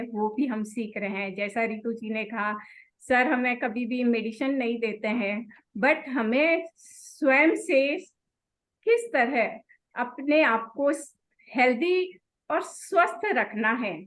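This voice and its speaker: Earnest, high-voiced woman thanking her teacher. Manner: earnest, grateful. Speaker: student and co-presenter. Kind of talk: spoken tribute to a teacher.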